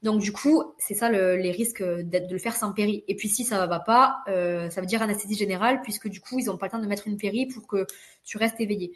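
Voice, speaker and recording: A woman in her twenties, a podcast guest, telling a personal story in a vivid, expressive way with quick asides. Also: medium pitch. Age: 20s. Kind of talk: casual conversational storytelling.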